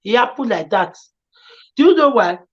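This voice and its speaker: A woman's voice: fairly high pitch, animated, normal speed, breathy edge, dull audio. Earnest Nigerian woman giving pleading advice. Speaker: guest. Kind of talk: emotional advice-giving chat.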